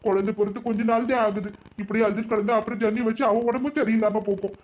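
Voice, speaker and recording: A man's voice: sits high, steady tone, quick pace, lightly acted. A man voicing a firm young brother. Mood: reasoning. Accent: southern Tamil Nadu. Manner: explaining, reasoning. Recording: dull lo-fi sound.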